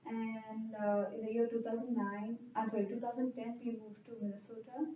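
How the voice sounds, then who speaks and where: A woman in her thirties from India with an Indian accent, earnestly answering interview questions at a careful, steady pace. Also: on the high side, moderate pace, slight background noise. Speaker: club member interviewee. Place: club meeting room. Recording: roomy, distant, dull sound.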